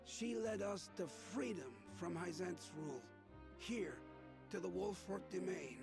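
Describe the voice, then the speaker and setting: High-voiced old village storyteller. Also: male voice, vocal fry. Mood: proud, reminiscing. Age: older. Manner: deliberate, old-fashioned storytelling speech. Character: old Rosellan villager recalling a long-ago revolt. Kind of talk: scripted fantasy game voice acting. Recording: game music behind the voice.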